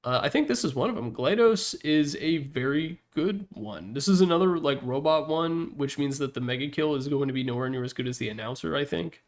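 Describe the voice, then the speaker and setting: A man's voice: fairly high pitch, lively intonation, fairly quick, hardly any pauses. A man giving casual, opinionated commentary in an informal, blunt way, as a gaming content creator.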